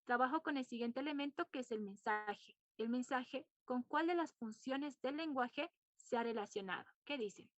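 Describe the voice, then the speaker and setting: A woman teacher takes her class through the lesson step by step, repeating points and putting questions to her students. Her voice sits a little high. The recording is dry and somewhat dull, with no room sound. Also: moderate pace, hardly any pauses, no room sound. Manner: explains patiently, repeats points and quizzes students. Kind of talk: online class lecture.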